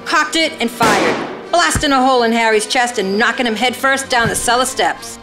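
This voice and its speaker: A woman's voice: on the high side, normal speed, pushed and bright, soft background music. A woman reading dramatic scripted narration as the narrator of a radio play.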